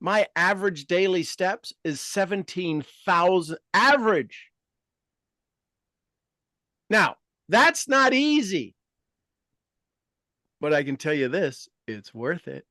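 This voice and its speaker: A man's voice: sits high, very animated, slow, pauses often, pushed and bright, no room sound, clean studio sound. A man in his fifties talking in a casual motivational style, emphatic and repeating his key phrases. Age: 50s. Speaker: podcast host.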